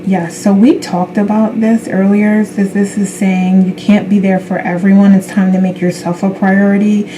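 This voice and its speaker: A woman speaking as a spiritual self-help influencer, giving an unscripted card reading in a gentle, affirming way with unhurried pauses. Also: mid-range voice, flat delivery, crowd noise, poor audio. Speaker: tarot card reader.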